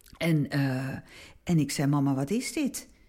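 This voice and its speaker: The woman's voice has a dark, mellow tone. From Netherlands, Weesp. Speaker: former TV newsreader. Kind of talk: personal testimony. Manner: halting, with repetitions.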